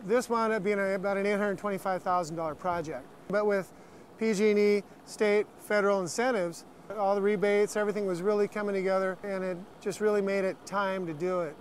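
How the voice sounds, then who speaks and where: A man's voice: high-pitched, fairly even intonation, a little fast, a little hiss or hum. An American man giving an unscripted, practical walk-through explanation as a brewery guide. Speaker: brewery staff giving a tour. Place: on a walking tour around an industrial brewery, much of it outdoors.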